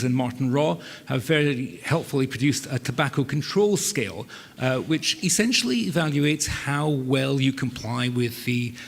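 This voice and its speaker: Noticeable background noise sits behind a man's fairly high voice. He speaks at a moderate pace with lively intonation. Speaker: public health policy speaker. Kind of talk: conference talk. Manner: hesitant, many fillers.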